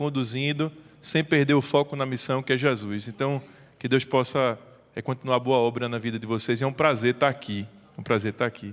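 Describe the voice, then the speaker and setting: At a moderate pace, a man with a northeastern Brazilian accent speaks at a fairly high pitch with ordinary pitch variation. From Northeast Brazil, Recife. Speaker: pastor. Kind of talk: sermon.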